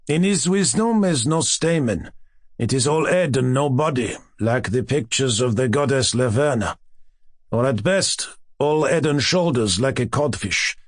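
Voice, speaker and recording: Cool, condescending gentleman detective for a classic audiobook, read by a male narrator: deliberate, varied intonation, dry sound. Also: fairly high pitch, no echo.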